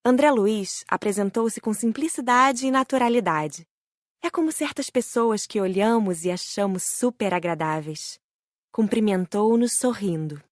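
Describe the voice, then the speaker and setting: A woman's voice: medium pitch, measured pace, dry recording, clean studio sound. Woman with a Brazilian accent, audiobook narrator. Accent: Brazilian Portuguese. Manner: gentle, admiring, steady reading. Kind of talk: scripted first-person narration of a spiritual book.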